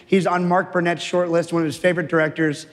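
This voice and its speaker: Brisk male host, higher voice. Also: level tone, in a large hall. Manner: brisk, upbeat introductions. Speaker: show host. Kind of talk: interview hosting.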